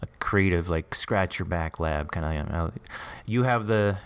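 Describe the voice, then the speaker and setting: A man hosting a relaxed, conversational interview, feeling his way through questions and rephrasing them as he goes. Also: low voice, normal speed, clear, resonant tone. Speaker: podcast host interviewing a writer.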